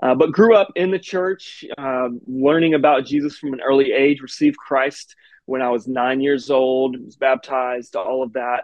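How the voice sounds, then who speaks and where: An unremarkable speaking voice with an American accent moves at a moderate pace with hardly any pauses. Its loudness swings widely, while its pitch variation stays ordinary. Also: man, medium pitch for a man. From North Carolina, US South. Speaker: pastor and author. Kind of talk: interview conversation.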